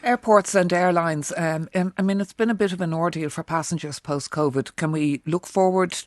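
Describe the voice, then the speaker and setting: A woman's voice: fairly low pitch, normal speed, no echo, studio quality. A woman presenting radio news and putting questions in a live interview.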